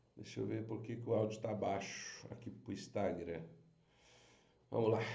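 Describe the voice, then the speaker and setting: A man talks with vocal fry. The room echo is audible. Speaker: pastor. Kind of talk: livestream talk to viewers. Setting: live stream. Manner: quiet today.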